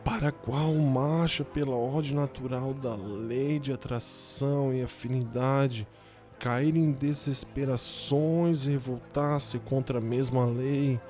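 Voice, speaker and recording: An actor in a radio drama playing a bitter, sickly former professor, speaking in a formal, grandiloquent way. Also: male voice, mid-range voice, steady tone, slow, dark tone, close to an everyday voice. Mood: solemn, argumentative. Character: bitter sickly male suicide, eloquent sceptical former dialectics professor. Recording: faint music under the voice.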